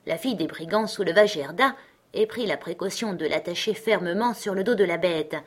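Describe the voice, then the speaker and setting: A woman reading a fairy tale aloud as narrator, in a calm, measured way. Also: on the low side. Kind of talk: storybook reading.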